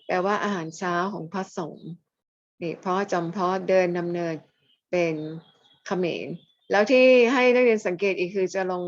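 A woman teaching a language lesson over a video call, asking questions, chiding quiet students and then answering her own questions. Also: on the low side, moderate pace, no room sound. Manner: chiding students who stay silent, asking questions and answering them herself. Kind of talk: online class lecture. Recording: dull lo-fi dry audio.

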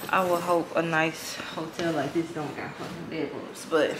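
A woman's voice: low-pitched, steady tone, moderate pace, echoey room, background noise. A woman vlogging from a hotel room, chatting candidly and swearing freely. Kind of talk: casual vlog chat.

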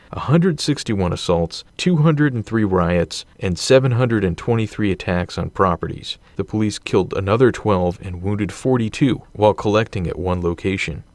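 A man narrates a history documentary in a low, measured voice. He reads dates and figures at an even, steady pace. The recording is dry and close, with no room sound. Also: no echo.

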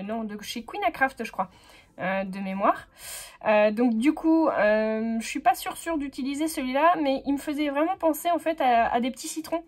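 Chatty high-voiced crafting woman. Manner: chatty, many fillers and self-corrections. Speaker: scrapbooking tutorial host. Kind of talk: casual crafting tutorial.

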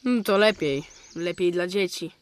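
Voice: mid-range voice, a little slow, close to an everyday voice. An actor playing a cheeky young boy in a radio play, chatty and matter-of-fact, coolly cynical. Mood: worldly-wise. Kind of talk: Polish radio play dialogue.

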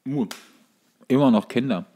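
A man's voice: medium pitch, unhurried, dark tone. A man co-hosting a podcast in casual banter, with a dry, ironic sense of humour. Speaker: podcast co-host, stage fight choreography instructor.

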